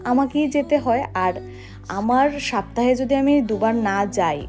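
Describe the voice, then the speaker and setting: A woman's voice: a little high, moderate pace, a little mellow, soft background music. A young woman chats casually and expressively for a vlog, mixing in some English words. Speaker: vlogger. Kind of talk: casual vlog chat to camera and companion.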